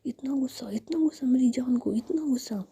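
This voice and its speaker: A woman's voice: sits high, brisk, dark tone, a little hiss or hum, voice pushed up. A woman voicing a mischievous young woman who loves pestering others, whispering playfully. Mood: teasing.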